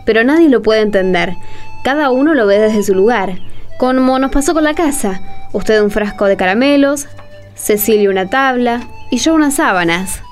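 A woman's voice: fairly high pitch, lively intonation, normal speed, faint music behind, natural voice. An actress with an Argentine accent playing an earnest, plain-spoken woman in a radio drama.

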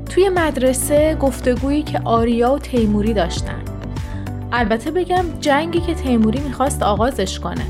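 A woman hosting a story program, giving a scripted, welcoming introduction. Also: a little high. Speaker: program host. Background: background music.

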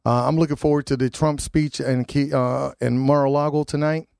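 A man's voice: medium pitch, fairly even intonation, moderate pace, gravelly, darkish tone, no room sound. A radio host with a head cold, sounding nasal, chatting loosely and joking with his studio guests. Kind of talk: casual community radio chat.

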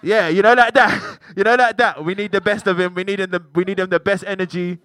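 London roadman radio host, higher-pitched, crisp. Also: steady tone, fast talker, sharp tone, no room sound. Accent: London roadman, urban slang. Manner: slangy, repeats phrases for emphasis. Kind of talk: casual hype interview chat.

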